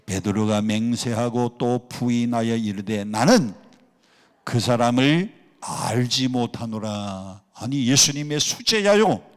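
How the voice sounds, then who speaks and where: A male pastor preaching a sermon, asking the congregation questions and answering them himself, mimicking regional dialect, rising to loud emphatic exclamations. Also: medium pitch. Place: prayer retreat worship hall. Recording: long hall reverb.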